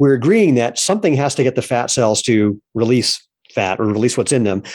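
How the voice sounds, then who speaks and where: In a normal speaking voice of medium pitch, a man talks at a fairly quick pace on a very clean recording with a silent background. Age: 50s. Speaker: podcast host. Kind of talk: casual chat.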